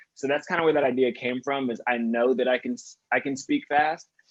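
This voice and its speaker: This man speaks at a medium pitch and a fairly quick pace. His intonation stays fairly even. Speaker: actor. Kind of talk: interview. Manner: fast.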